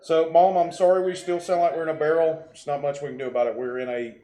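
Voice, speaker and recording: A man's voice: steady tone, fast talker, warm tone. Man sounding like he's inside a barrel. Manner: easygoing, joking, plugs local businesses. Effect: boomy sound like inside a barrel. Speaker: show host. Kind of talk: casual live show chat. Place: local pub, live broadcast. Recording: echoey, barrel-like room sound.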